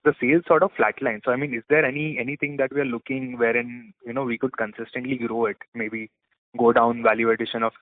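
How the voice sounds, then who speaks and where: A man's voice: mid-range voice, little pitch movement, quick pace, no room sound. A man with an Indian accent asking questions as an analyst on a conference call, in a conversational style. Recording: dry, tinny phone line.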